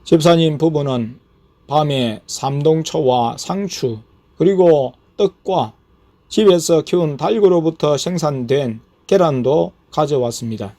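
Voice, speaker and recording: Higher-voiced man narrating a testimony. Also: measured pace, warm tone. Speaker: pastor.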